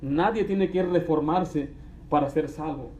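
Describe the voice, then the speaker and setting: High-voiced preacher in an echoey church. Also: male voice, measured pace, dark tone, slight background noise. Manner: conversational preaching with anecdotes and acted quotes. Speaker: pastor. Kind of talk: sermon. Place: church sanctuary. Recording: echoey church room with faint ambience.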